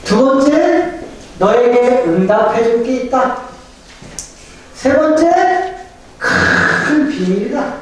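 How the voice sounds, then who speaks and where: A man's voice: very high voice, slow pace, pauses often, a little hiss or hum. A middle-aged male pastor preaching a humorous seminar sermon, acting out prayers and quizzing the audience. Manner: animated, joking, acts out prayers and quotes; asks the audience questions and waits for replies. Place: church hall at a pastors' seminar. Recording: echoey hall from far off.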